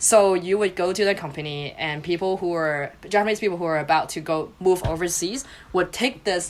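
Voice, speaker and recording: A woman's fairly low voice with a Cantonese accent, fairly quick pace and ordinary pitch variation. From Hong Kong. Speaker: travel YouTuber and former English teacher in Japan. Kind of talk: podcast interview.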